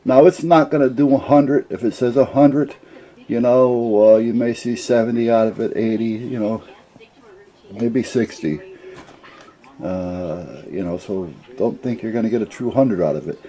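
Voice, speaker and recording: Older man with a very dark, mellow voice. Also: mid-range voice, unhurried. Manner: rambling, plain-spoken, folksy. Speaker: CB radio hobbyist explaining gear. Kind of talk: casual unscripted explainer.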